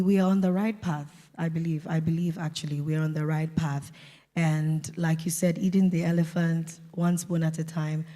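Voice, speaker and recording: Calm woman panelist in a large hall. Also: low-pitched. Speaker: agency banking panelist. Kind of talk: panel discussion. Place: conference hall. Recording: reverberant conference hall.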